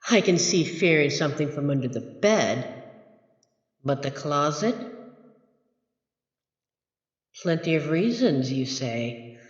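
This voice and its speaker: A woman voicing a smug, menacing monster from under the bed in an audio roleplay, haughty and taunting with drawn-out theatrical delivery. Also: low-pitched, lively intonation. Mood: smug, musing. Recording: echoey reverberant hall, slightly dull.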